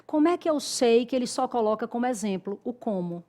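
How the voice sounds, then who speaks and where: A woman's voice: fairly high pitch, animated, brisk, a little mellow. Brazilian woman teaching a grammar lesson. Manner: explanatory, addresses students directly with tag questions. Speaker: Portuguese teacher.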